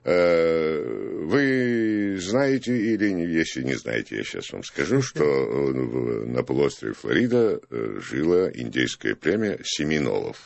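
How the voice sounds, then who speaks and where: Very deep, gravelly, animated man. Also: measured pace, hardly any pauses, dry recording. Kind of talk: animated studio discussion, explaining facts.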